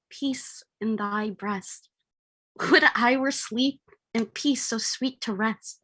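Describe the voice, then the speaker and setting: A man's voice: high voice, pushed and bright, no room sound, pitched below the performer's own voice, exaggerated voice. A man playing Romeo as an ardent, giddy young lover in an exaggerated live amateur Shakespeare reading. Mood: tender.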